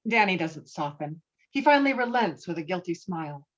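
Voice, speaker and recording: A woman's voice: lowish voice, sing-song, fairly quick. A woman reading scripted stage directions as narrator at a table read, slightly muffled as on a video call.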